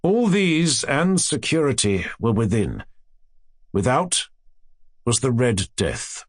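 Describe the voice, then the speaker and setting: A man reading a classic horror tale as an audiobook narrator, in a measured, theatrical storytelling manner with careful phrasing. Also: medium pitch, sing-song, slightly rough, dry recording, clean studio sound. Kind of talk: dramatic literary horror narration.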